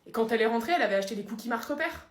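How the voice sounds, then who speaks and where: A woman's voice: fairly high pitch, animated, rapid-fire, natural voice. Woman doing a whiny cheating boyfriend. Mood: self-pitying. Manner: whiny, self-justifying. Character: self-pitying cheating young boyfriend. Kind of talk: comedic sketch monologue. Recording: roomy echoey room.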